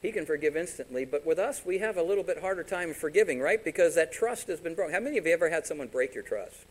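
Pastor, male, fairly high voice, lively sermon delivery with rhetorical questions. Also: fast, poor audio. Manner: animated preaching, voices imagined congregants.

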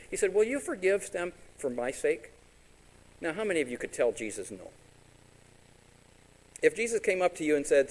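Pastor, male, fairly high voice, lively sermon delivery with rhetorical questions. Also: low-quality recording. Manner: animated preaching, voices imagined congregants.

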